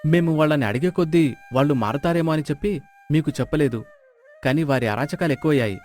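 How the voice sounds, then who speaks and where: A man's voice: a little high, fast talker, a little mellow, close to an everyday voice. Man playing an aggrieved village farmer, music behind. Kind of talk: moral storybook character voice.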